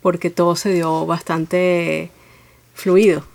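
A woman from Venezuela with a Venezuelan accent, telling her story as an interview guest in a reflective, steady way with frequent fillers. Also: lowish voice, slow, creaky.

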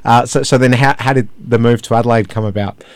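A man's voice: medium pitch, steady tone, fast, smooth, no echo. A male radio host, asking friendly, curious questions in a casual interview.

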